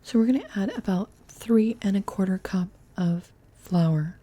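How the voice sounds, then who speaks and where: A woman's voice: mid-range voice, unhurried, dark tone, breathy edge. A woman hosting a home cooking vlog, chatting through each step in a casual, thinking-aloud way from her kitchen. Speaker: cooking channel host.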